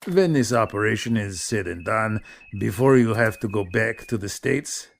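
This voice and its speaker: An actor playing a cocky, flirtatious army colonel in an audio drama. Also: male voice, on the low side, animated, normal speed, vocal fry, slight background noise. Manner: suggestive, self-assured.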